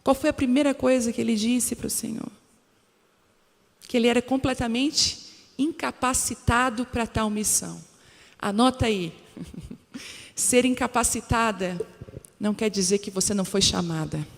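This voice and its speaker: A woman's voice: fairly high pitch, moderate pace, vocal fry, long pauses. A woman from Brazil preaching a sermon as a pastor, speaking directly to the congregation and weaving in personal stories. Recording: long hall reverb with faint music.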